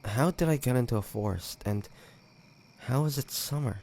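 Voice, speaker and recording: A man acting in an audio drama as a bewildered, earnest character reliving his boyhood, speaking haltingly and full of questions. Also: medium pitch, animated, darkish tone, lightly acted. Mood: confused, searching.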